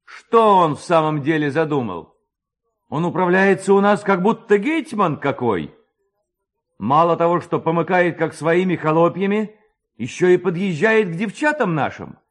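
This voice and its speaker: A man's voice: fairly high pitch, animated, moderate pace, voice pushed up, close to an everyday voice. A man voicing a mischievous, spirited young village lad who rallies his friends in a dramatised story reading. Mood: rousing, defiant. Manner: spirited, exclaiming, rallying. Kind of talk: dramatised reading of a classic tale.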